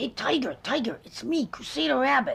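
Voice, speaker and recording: At a moderate pace, a high-pitched, put-on character voice delivers the lines. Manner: nice, friendly.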